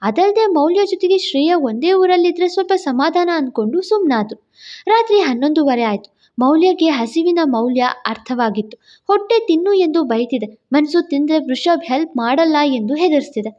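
Woman, storyteller, high voice, scripted narration, dull lo-fi recording. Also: lively intonation, normal speed, darkish tone. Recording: dull lo-fi sound.

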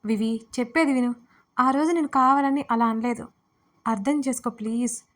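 A woman voicing a remorseful young man who pleads gently with the woman he loves, in a romance audio story. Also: on the high side, fairly even intonation, brisk, close to an everyday voice. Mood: pleading.

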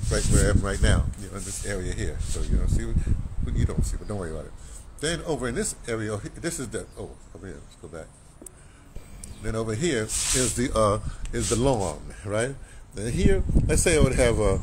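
An older vlogger on audio drama rambles into his phone, held at arm's length, in a fairly low voice, repeating words and gesturing as he explains. This casual walk-and-talk starts in his small home and moves out to a sunny patio, and background noise comes through clearly.

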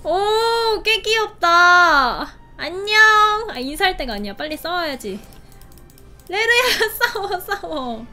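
A young woman hosting a casual game play video, gushing and giggling with excited exclamations. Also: very high voice, slow. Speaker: game channel host. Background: game music.

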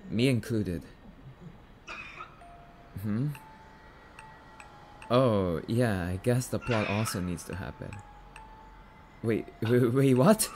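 Casting: male actor as sulky, skittish catboy boyfriend for ASMR roleplay, lowish voice, unhurried, noisy recording. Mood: spooked, clingy. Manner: stammering, defensive, sulky. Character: grumpy, easily spooked, affectionate young catboy boyfriend.

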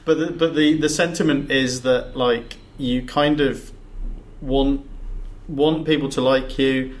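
A man's voice: medium pitch, steady tone, takes it slowly. A man co-hosting a casual podcast chat, rambling with frequent restarts and repeated words, sitting back from the microphone in a makeshift studio. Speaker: podcast co-host. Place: big echoey box used as studio. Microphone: sitting back from the table and mic.

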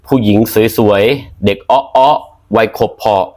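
Calm male storyteller. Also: fairly low pitch, slow. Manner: calm, moralizing, polite sign-off. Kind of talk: spoken storytelling narration.

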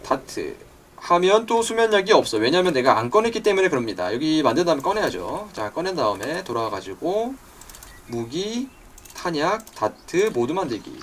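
A young man doing let's play commentary, excitable, talking to game creatures and yelping when startled. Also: on the high side, normal speed, slight background noise. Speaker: gaming YouTuber.

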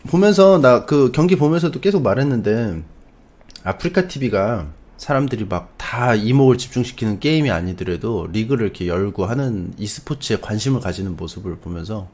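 A man streamer casually telling a funny story to his chat, acting out his own lines with sudden loud outbursts. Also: medium pitch.

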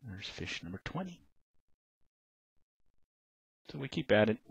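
Husky laid-back man. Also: lowish voice, very animated, quick pace, dry recording. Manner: laid-back, plain-spoken, frequent uh fillers. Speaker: fishing vlogger. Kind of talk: casual voice-over narration.

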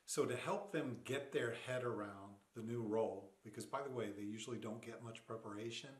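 A man coaching product leaders in a short explainer, measured and plain-spoken, slowing down to stress his points. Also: medium pitch. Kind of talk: short explainer talk to camera. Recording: roomy echo.

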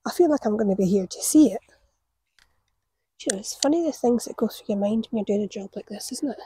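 A woman's voice: mid-range voice, animated, fast, mellow, a little hiss or hum. A woman in her forties chatting casually to camera while working outdoors, telling stories with a laugh. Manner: chatty storytelling, laughs at her own tales. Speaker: gardening vlogger. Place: outdoor allotment garden. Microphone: camera on the ground a few metres away.

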